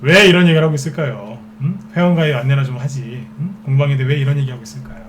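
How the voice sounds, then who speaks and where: A man from the Seoul capital region lectures on stock trading as a market expert, repeatedly posing rhetorical questions and answering them himself. He talks fast in a mid-range voice, with a little hiss or hum on the recording.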